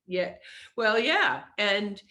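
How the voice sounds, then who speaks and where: Woman, podcast host, casual interview talk, encouraging prompts, mid-pitched voice. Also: big pitch swings, extremely slow, sharp tone.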